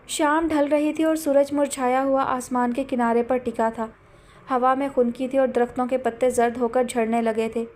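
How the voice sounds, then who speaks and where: Woman narrator, high voice, dramatic audiobook reading. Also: a little mellow. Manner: dramatic storytelling. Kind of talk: scripted narration.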